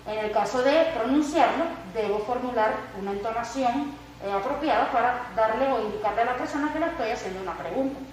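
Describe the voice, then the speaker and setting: A woman teaching English grammar, speaking slowly and carefully whenever she models an example sentence. Her voice sits a little high and comes from somewhat off the mic, in a very echoey room. Faint background noise runs underneath. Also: distant mic. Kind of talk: explaining grammar to a class.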